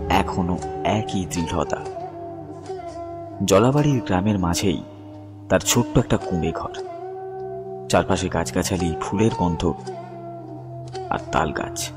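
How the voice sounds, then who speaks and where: A man narrates a dark tale in a very low, solemn voice. He takes his time, pausing dramatically between phrases, with a long reverb trailing his words. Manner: solemn, measured, dramatic pauses. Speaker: story narrator. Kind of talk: dramatic scripted horror story narration. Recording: long reverb, music bed behind voice.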